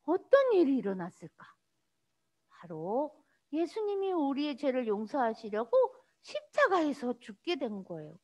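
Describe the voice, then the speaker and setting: In a church worship room, a woman pastor gives a children's sermon, asking the little ones questions. Her high-pitched voice is animated and sing-song, and she takes her time.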